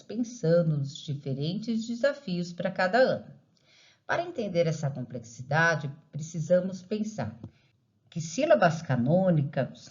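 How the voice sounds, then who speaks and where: A woman narrating a training video for teachers, in a measured, explanatory way. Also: fairly low pitch. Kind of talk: scripted instructional narration. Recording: dull lo-fi recording.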